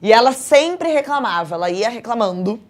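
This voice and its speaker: A Brazilian woman teaching an exam prep class in a chatty, lively way, often checking in with her students. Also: a little high, normal speed. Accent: Brazilian Portuguese.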